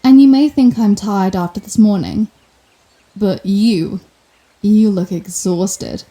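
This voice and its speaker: A woman's voice: medium pitch, takes it slowly, mellow, rough recording. A woman playing a sardonic telepathic supervillain in an ASMR roleplay, theatrical and sarcastic, menacing with a hidden compassionate streak. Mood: taunting, menacing. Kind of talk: ASMR roleplay audio drama.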